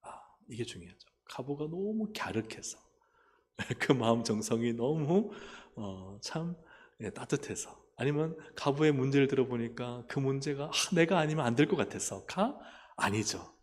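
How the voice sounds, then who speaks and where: A man's voice: mid-range voice, normal speed. Guy pastor preaching, keeps asking the church for an amen, big hall echo. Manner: lively preaching with calls of amen to the congregation; acts out quoted voices and asks the listeners questions. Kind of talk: sermon. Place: church sanctuary. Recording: long church hall reverb.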